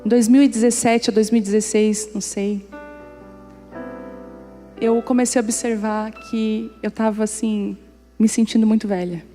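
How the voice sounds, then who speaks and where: Woman pastor, higher-pitched mellow voice, preaching with jokes and acted-out dialogue, soft music behind. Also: normal speed, long pauses. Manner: lively, humorous, acts out dialogue in anecdotes. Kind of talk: storytelling sermon. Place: church service before a congregation.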